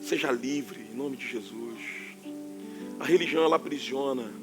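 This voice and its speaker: A man from Rio de Janeiro with a Carioca accent, preaching a sermon to his church in a forceful, emphatic way that can sound like scolding. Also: mid-range voice, moderate pace, music in the background. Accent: Carioca Portuguese. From Rio de Janeiro, Brazil. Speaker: pastor.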